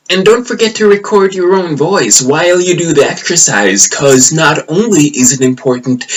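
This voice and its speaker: A man teaching a pronunciation lesson, speaking carefully and deliberately to his viewers. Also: medium pitch, a bit bright, low-quality recording. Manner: careful, deliberate delivery, modeling words slowly. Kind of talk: slow, clear pronunciation lesson.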